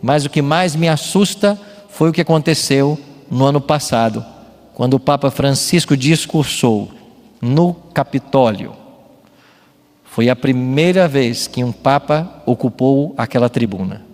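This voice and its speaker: A Brazilian pastor preaches a sermon in a mid-range, slightly mellow voice at a somewhat slow pace. He is didactic and emphatic, often posing rhetorical questions. Music plays behind him, and the recording carries a long hall reverb.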